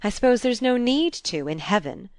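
A woman's voice: fairly high pitch, big pitch swings, normal speed, darkish tone, no room sound, studio quality, pitched above the performer's own voice. Woman voicing a wistful young countess. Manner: wistful, emotional. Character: lonely, sensitive young countess.

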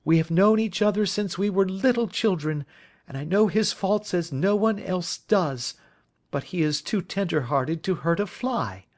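A man's voice: high voice, measured pace, a little mellow, pitched above the performer's own voice. A man reading aloud as an earnest young woman who urgently pleads for a friend. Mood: imploring. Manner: urgent, imploring.

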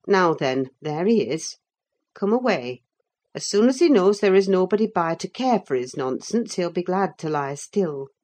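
A woman's voice: fairly low pitch, expressive, darkish tone. A woman voicing a stern, middle-aged housekeeper in an audiobook reading, firm and scolding. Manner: firm and brisk.

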